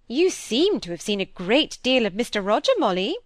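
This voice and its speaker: A woman's voice: a little high, big pitch swings, moderate pace, no room sound, clean studio sound. A woman voicing a bossy, gossiping elderly spinster who talks in an emphatic, scolding way. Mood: prying.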